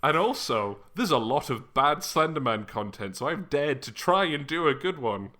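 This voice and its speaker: A man's voice: fairly high pitch, big pitch swings, moderate pace, pushed and bright. A man chatting casually as a podcast host, bantering and poking fun at himself. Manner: bantering, self-deprecating. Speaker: podcast host and audio drama creator. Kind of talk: casual chat.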